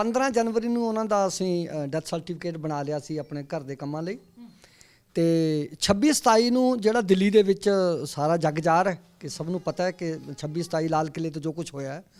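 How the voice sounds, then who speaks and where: This is a man with a high-pitched voice. His pitch varies in an ordinary way. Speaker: farmer's son in family interview. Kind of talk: news interview.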